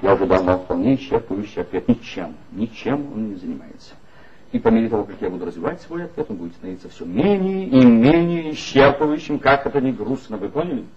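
An actor playing a bitter, ironic former magazine writer in a 1960s radio play, speaking in a measured, wry way. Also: male voice, medium pitch, expressive, darkish tone, close to an everyday voice. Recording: dull old 1960s radio recording with faint hiss.

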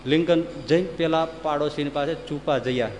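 A man giving a lively sermon full of stories. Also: fairly high pitch, normal speed, long reverb tail, a little hiss or hum. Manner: storytelling, lively, animated. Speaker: religious speaker.

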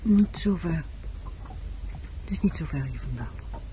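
A woman's voice: sits low, expressive, a little slow. A muffled old radio play recording with some background noise carries a haunted woman. She is insistent and pleading, brooding over the night with dramatic intensity. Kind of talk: Dutch radio play acting.

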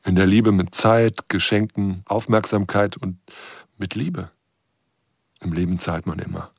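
A lonely, lovestruck man in a radio drama. His voice is very low and gravelly, with a husky rasp, as he broods and muses to himself, wary but yearning. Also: measured pace, exaggerated voice. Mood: brooding, wary. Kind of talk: radio drama inner monologue.

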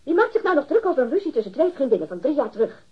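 An actress playing a defensive, haughty young librarian under questioning in a radio drama, curt and bitterly sarcastic. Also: female voice, high voice, very animated, very fast, highs cut off. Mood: defensive, indignant.

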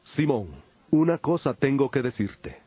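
A man playing Jesus as a solemn, measured teacher preaching in a dramatized audio Bible. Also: mid-range voice, animated, warm tone, husky, dry recording. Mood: solemn, commanding.

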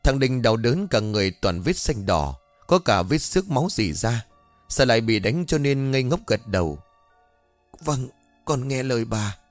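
A man's voice: mid-range voice, very animated, no echo. Man narrating a ghost story, dry close voice. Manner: measured, dramatic storytelling. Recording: dry close voice with faint background music.

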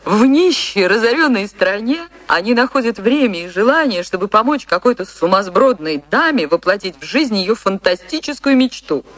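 An actress playing a passionate, dreamy woman dancer reminiscing in a theatrical radio drama, expressive and full of dramatic pauses. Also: mid-range voice, lightly acted. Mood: wondering. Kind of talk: theatrical Russian radio drama, monologue and dialogue.

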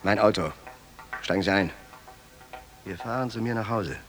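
An actor playing an insistent, menacing and calculating wealthy jeweler in a radio drama. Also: male voice, fairly low pitch, moderate pace, loud music behind the voice, close to an everyday voice.

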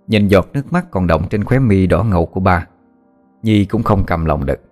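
A man narrating a ghost story in a calm, even way. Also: sits low, normal speed. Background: faint music.

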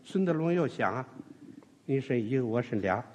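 A man's voice: mid-range voice, lively intonation, normal speed, darkish tone. A man telling a traditional comic story, switching between voices for the characters.

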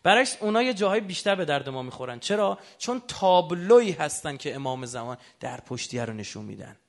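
A man's voice: a little high, animated. A man giving a religious sermon who keeps putting rhetorical questions to his audience. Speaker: religious lecturer.

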